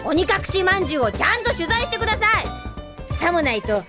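A voice actress playing a bold, tomboyish teenage club leader, breezy and theatrical, in an anime audio drama. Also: female voice, very high-pitched, big pitch swings, fast, loud music behind the voice. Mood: indignant.

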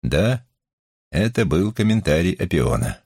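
A man reading a literary novel aloud in a measured, expressive storytelling manner, with a husky, creaky voice. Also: low voice, dry recording, clean studio sound. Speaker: audiobook narrator.

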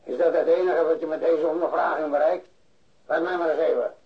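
An actor playing a pompous, meddling police inspector in a radio drama, heard as an overbearing voice on tape. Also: male voice, on the high side, fairly even intonation, fairly quick, lightly acted. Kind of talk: Dutch radio drama acting. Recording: muffled, band-limited tape playback.

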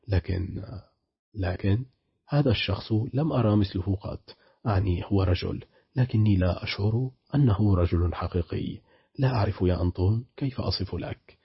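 A man's voice: on the low side, creaky, breathy edge, no room sound, dull audio, heavily acted. A man voicing a worried young woman on the run, who speaks hesitantly and searches for words.

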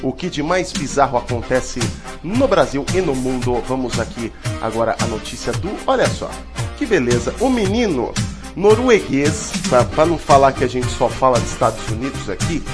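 A man's voice: medium pitch, big pitch swings, moderate pace, over music. A Brazilian man hosting comic news, reading items with chatty, singsong asides. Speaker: host of comic news segment.

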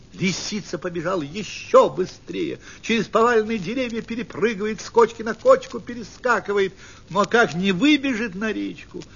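Gravelly, lively man reading a folk tale. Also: sits high, highs cut off. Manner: animated, expressive. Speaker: storyteller.

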